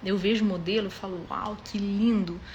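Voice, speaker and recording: Somewhat breathy, a woman speaks with audible room echo around her. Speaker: mother giving parenting advice. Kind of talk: live stream talk. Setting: live stream on social media.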